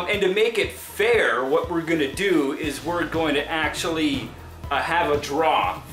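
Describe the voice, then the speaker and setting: Faint music plays in the background as a man talks at a moderate pace, with audible room echo. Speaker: channel co-host. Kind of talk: casual vlog chat. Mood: relaxed, joking. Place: home room.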